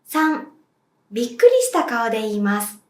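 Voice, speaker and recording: A woman teaching as a language teacher, speaking clearly and deliberately and demonstrating sounds for viewers to repeat. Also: on the high side, a little mellow. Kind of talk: slow, clear pronunciation lesson. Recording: echoey room.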